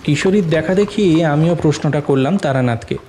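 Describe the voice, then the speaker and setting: A curious man played by an actor narrates the frame of an audio story in a scripted storytelling style. His voice sits slightly high and is very mellow, with clear ambience behind it. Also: a little fast, slight background noise, lightly acted. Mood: curious, measured. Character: curious male listener narrating the framing story.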